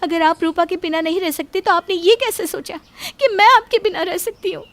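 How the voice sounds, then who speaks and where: A woman's voice: very high voice, fairly quick, a bit bright, no echo. A woman voicing characters in a dramatic audio story, with an emotional, pleading delivery.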